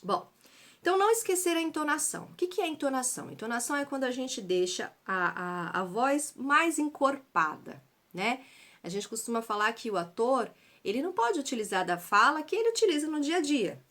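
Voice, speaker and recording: A woman's voice: high voice, very animated, a little fast, a bit bright. A woman from Brazil giving a chatty theater lesson, explaining with many fillers and tag questions. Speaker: theater teacher.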